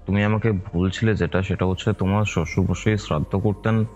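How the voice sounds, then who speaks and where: A man's voice: sits low, steady tone, a little fast, a little mellow. A man listening and asking questions casually as an interviewer, with brief acknowledgements and tentative wording. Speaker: podcast interviewer. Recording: dull lo-fi call recording, music underneath. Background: music.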